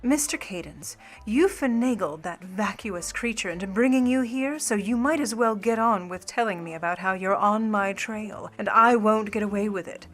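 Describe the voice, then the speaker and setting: A woman's voice: mid-range voice, normal speed, few pauses, faint music behind, close to an everyday voice. A woman playing a cool, sly, condescending Hollywood starlet and jewel thief with syrupy politeness in a noir radio play. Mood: cool, cutting.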